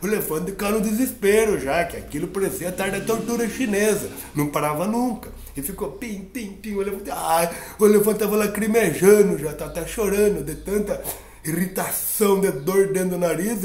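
A man telling a children's fable in a lively, playful way, full of sound effects. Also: high-pitched, brisk. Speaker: storyteller. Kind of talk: oral storytelling for a class. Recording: roomy echo.

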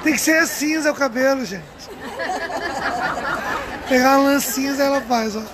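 High-pitched chatty Brazilian woman. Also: measured pace. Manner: chatty, teasing. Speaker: livestream host relaying viewer comments at a craft fair. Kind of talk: casual live-stream chat. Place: busy indoor craft fair hall. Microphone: handheld phone, behind the camera. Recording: loud trade fair crowd and noise.

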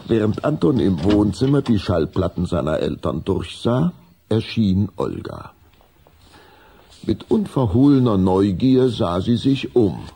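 Deep, gravelly man narrating a story. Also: big pitch swings, unhurried, dark tone.

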